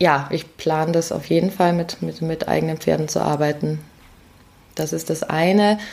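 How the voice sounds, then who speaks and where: Moderate-paced speech from a woman, in a very clean recording against a silent background. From Munich, Bavaria; schooling in Vienna from teens. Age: 40s. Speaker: horse-assisted coach, former journalist. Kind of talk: interview. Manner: hesitant, many fillers.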